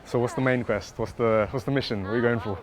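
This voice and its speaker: A man's voice: medium pitch, fairly even intonation, fast talker, crowd noise. A man chatting up a stranger outdoors on a street, hesitant, with rising inflections. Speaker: coaching client approaching a stranger. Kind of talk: casual street conversation.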